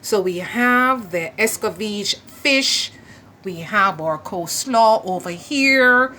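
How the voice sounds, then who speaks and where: A woman's voice: mid-range voice, lively intonation, slow pace, pushed and bright, slight background noise. A woman presenting and interviewing in a casual, chatty vlog style. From Jamaica. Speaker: host of a travel vlog channel, interviewer.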